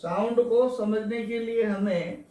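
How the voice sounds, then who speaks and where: Slow-explaining male teacher, echoey room. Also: sits high, steady tone, dark tone. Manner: slow, repetitive explaining, addresses students as kids. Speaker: English literature teacher. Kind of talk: exam coaching lecture.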